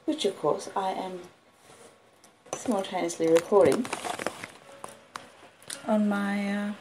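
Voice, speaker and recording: A woman with an Australian accent chats casually as host of a livestreamed book reading, rambling along with halting pauses. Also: medium pitch, fairly even intonation. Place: front room of a house with street noise. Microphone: phone and an old laptop. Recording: noisy home phone recording. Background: street noise, house creaks, puppy, lo-fi beats.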